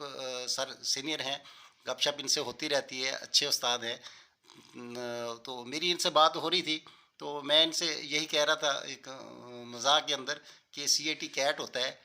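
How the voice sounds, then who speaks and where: Teacher guy explaining grammar stuff, earnest, lots of examples, really bright tone. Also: on the high side. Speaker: schoolteacher. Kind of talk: explaining English grammar in conversation.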